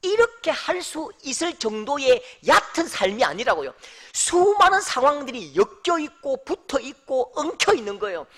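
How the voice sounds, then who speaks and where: A middle-aged pastor with a Gyeongsang Korean accent preaches to his congregation. His pitch moves widely up and down as he goes from hushed remarks to loud exclamations. It is lively, spoken pulpit preaching. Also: moderate pace, few pauses. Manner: animated preaching, swinging between hushed asides and loud exclamations. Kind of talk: expository sermon.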